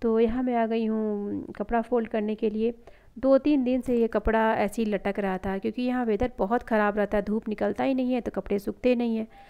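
Over a quiet background, a woman talks at a moderate pace with hardly any pauses. Her intonation is fairly even. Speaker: housewife vlogger. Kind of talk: casual vlog chat. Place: home room.

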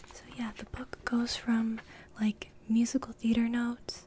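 A woman's voice with light background noise. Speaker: ASMR content creator. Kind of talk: casual vlog chat. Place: home room. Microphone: studio mic.

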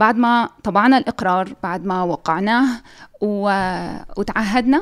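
A woman with a normal speaking voice, lively intonation and a moderate pace, over a quiet background. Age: 40s. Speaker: podcast host and workshop coach; podcast host, workshop coach. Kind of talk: live stream talk to followers. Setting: live video stream. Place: home room. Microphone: studio mic.

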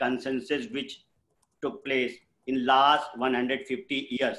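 A man speaks with an Indian accent at a fairly slow pace. The background is quiet. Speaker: political science professor. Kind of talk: lecture. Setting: video call. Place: home room. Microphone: webcam.

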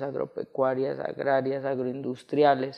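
Over a quiet background, a man is speaking. His pace is moderate. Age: 30s. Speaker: mayor. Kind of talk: interview. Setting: studio. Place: studio. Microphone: lapel.

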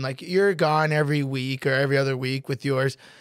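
At a moderate pace, a man speaks over a quiet background. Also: dry sound with no echo. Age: 30s. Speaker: retired MMA fighter, podcast co-host. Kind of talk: casual chat. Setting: studio. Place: studio. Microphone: studio mic.

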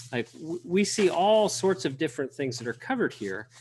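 A man's pitch swings very widely over light background noise. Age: 50s. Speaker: business coach running a webinar. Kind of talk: webinar presentation. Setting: online webinar with live chat. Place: home room. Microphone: webcam.

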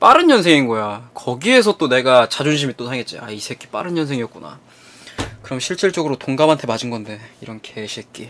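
Talking at a fairly quick pace, a man uses lively intonation and big swings in loudness. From South Korea. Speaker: streamer. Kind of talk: casual storytelling. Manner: animated; repetitive. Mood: wry, annoyed recollection, swearing. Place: home room. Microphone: studio mic.

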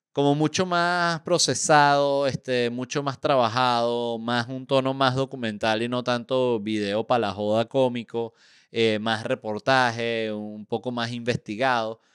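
A man at a fairly slow pace with ordinary pitch variation and hardly any pauses, in a dry sound with no echo and a quiet background. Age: 30s. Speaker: comedian and podcast host; comedian, podcast host. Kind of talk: solo comedic monologue podcast. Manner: casual, animated. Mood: relaxed, humorous. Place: studio. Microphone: studio mic.

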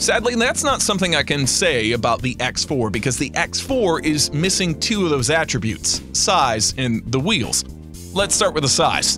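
Music plays in the background of this dry recording with no echo. The speaker goes at a moderate pace with very wide pitch swings. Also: man. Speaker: car video narrator. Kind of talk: commentary.

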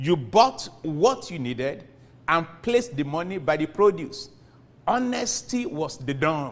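A man's fairly high voice with very wide pitch swings, at a fairly slow pace. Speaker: pastor. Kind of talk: formal lecture. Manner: formal. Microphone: lapel.

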